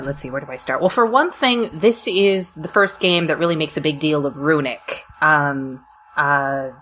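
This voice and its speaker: A woman with a very low voice speaks as a podcast panelist. She explains her points casually, on a slightly noisy amateur recording. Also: sharp tone. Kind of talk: casual discussion.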